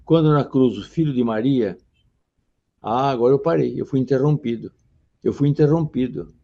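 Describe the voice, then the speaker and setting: An older man teaching a grammar class, reciting verses slowly and dramatically between explanations. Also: mid-range voice, gravelly, mellow. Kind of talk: lecture on grammar and poetry. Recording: dull lo-fi lecture recording.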